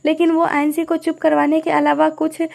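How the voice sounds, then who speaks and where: A woman narrating a romantic audio story in an even storytelling way. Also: high voice, moderate pace, gravelly.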